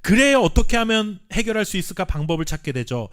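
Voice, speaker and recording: A Korean pastor preaching a sermon with earnest emphasis and dramatic pauses, sometimes reading scripture slowly. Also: male voice, high voice, very animated, a bit bright. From South Korea. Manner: reads scripture aloud slowly with the congregation.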